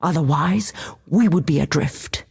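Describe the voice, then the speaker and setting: A woman's voice: deep voice, a little slow, gravelly, a little mellow, breathy edge, heavily acted. A woman playing a devout keeper of tribal traditions, speaking earnestly and solemnly in a fantasy game monologue.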